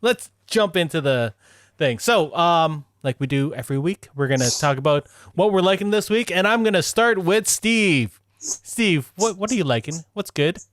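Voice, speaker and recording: A man hosts a casual podcast, his voice sitting a little high and sounding dry and close. He talks in loose run-on sentences and laughs often as he goes. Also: animated, normal speed, fairly bright tone, no echo. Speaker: podcast host.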